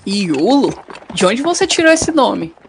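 A woman's voice: medium pitch, sing-song, unhurried, noisy background. A Brazilian woman playing a sensible, mocking teenage friend in a comedic audio drama. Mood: teasing, skeptical. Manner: casual, mocking. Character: teasing, sensible teenage friend of a young prince.

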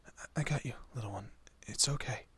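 A man playing a fiercely protective monster in a horror roleplay, with a husky, breathy voice and an intense, deliberate manner. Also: mid-range voice, fairly bright tone. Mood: gentle, worried. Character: protective male monster, menacing to foes, tender to his human. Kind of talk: dramatic horror roleplay audio.

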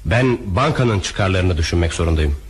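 A man's voice: sits low, animated, normal speed, slightly rough. A man acting a formal, controlled and unbending banker in a crime radio drama. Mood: firm, formal. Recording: faintly noisy radio drama recording.

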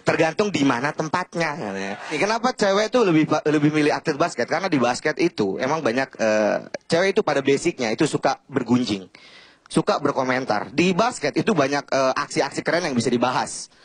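A man's voice: on the high side, expressive, brisk, husky, dry recording. A man doing a stand-up comedy set, teasing the audience in slangy talk. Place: stage before a live studio audience.

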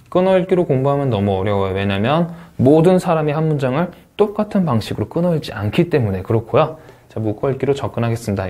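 A man teaching a test-prep review lecture, talking in an emphatic, upbeat way and often punctuating points with quick interjections. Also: medium pitch. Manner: lively, emphatic teaching with frequent "자" and "오케이".

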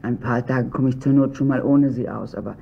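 A wary, gravelly-voiced rich wife. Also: female voice, a bass voice, steady tone, fairly quick, exaggerated voice. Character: wealthy wife, wary and displeased. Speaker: wife of a businessman. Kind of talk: radio drama acting. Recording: dull lo-fi recording, faint hiss.

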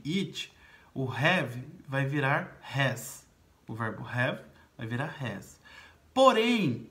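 A man's voice: medium pitch, a bit bright. A man with a Brazilian Portuguese accent teaching an online English lesson, explaining step by step and checking in with his students. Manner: explains slowly in Portuguese, reading English words and sentences aloud; frequent check-ins to students.

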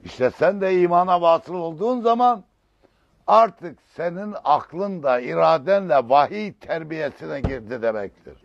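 A man's voice: on the high side, lively intonation, a little slow, vocal fry. A man giving a religious lecture in an emphatic, rising and falling way, using learned, old-fashioned vocabulary. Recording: dull lo-fi recording.

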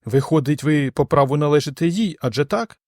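A man voicing a gentle, thoughtful young woman with a soft, slightly sad manner in an audiobook. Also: on the high side, animated, brisk, dry recording, studio quality, voice pushed up. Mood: wistful. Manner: soft, wistful.

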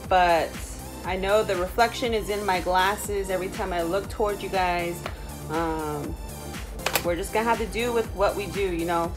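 A young woman with a Native American reservation accent, talking in a casual, informal, rambling vlog style. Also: mid-range voice. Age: young adult. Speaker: vlogger. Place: small room indoors.

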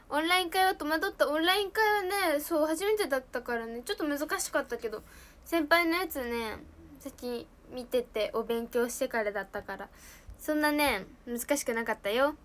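Giggly high-voiced teen girl with a lilt. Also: normal speed, a bit bright. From Japan. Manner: bubbly, giggly, reads and answers viewer comments. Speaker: idol trainee streamer. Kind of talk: casual live stream chat.

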